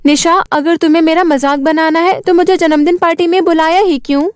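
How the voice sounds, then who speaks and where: Woman voicing a whiny, high-pitched stubborn schoolgirl. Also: fairly even intonation, a little fast, no echo, studio quality. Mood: defiant. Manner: whiny, demanding, talks back. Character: stubborn, sulky poor schoolgirl who craves pretty clothes.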